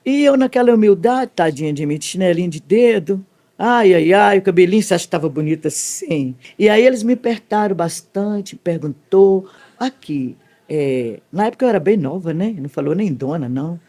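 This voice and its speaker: A middle-aged woman appears as a church guest, sharing an emotional faith testimony as a story. She's lively and expressive, talking at normal speed with wide pitch swings and frequent "né" tag questions.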